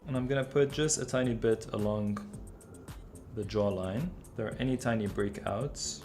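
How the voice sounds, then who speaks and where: A man with a lowish voice talks through his makeup routine while he works on a client's face. His manner is relaxed and chatty, with quick self-corrections. Soft music plays faintly behind him. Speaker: makeup artist.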